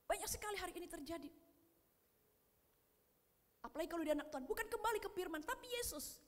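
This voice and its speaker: A woman pastor with a very high voice gives a lively youth sermon in a church hall, where her words ring out with a long echo. She swings from loud, emphatic lines to hushed ones. She also acts out the voices of the people in her stories. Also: fast talker. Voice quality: animated, acts out voices in quoted dialogue.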